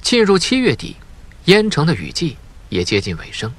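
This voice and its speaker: Man narrating with lively, swooping intonation. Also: a little high, normal speed, a little hiss or hum. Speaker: audiobook narrator. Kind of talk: scripted dramatic novel narration.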